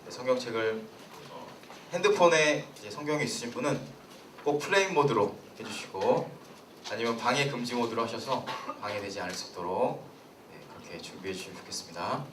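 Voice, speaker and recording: A young man, a pastor, giving a sermon to a youth congregation in a lively storytelling way and putting questions to the listeners. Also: mid-range voice, brisk, background noise. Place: church hall. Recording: roomy hall, voice from a distance.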